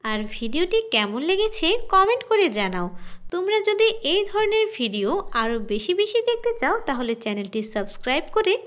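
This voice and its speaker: A woman with a very high voice and animated intonation reads scripted promotional narration. The recording is dull and lo-fi. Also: fairly quick. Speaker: channel announcer. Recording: dull lo-fi voice track.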